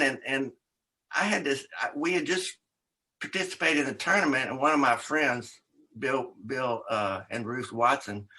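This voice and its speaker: An older man, an author, telling a rambling story as an interview guest, often quoting others and laughing. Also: mid-range voice. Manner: rambling, animated storyteller with laughs and quoted voices.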